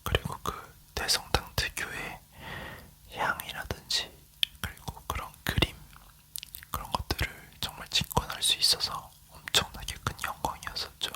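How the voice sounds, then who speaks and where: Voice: moderate pace, bright, forceful tone. An ASMR creator from South Korea leaning in to whisper, chatting casually as they tell a travel story.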